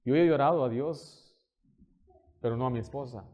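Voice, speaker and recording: A man preaching a sermon as pastor in a church, telling personal stories with lively, animated delivery. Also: mid-range voice, moderate pace.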